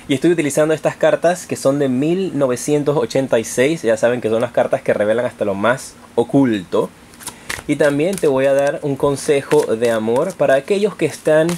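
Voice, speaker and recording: A man's voice: mid-range voice, a little mellow, a little hiss or hum. A man hosting an informal tarot horoscope, addressing viewers directly in an affectionate, encouraging manner. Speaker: tarot reader and channel host.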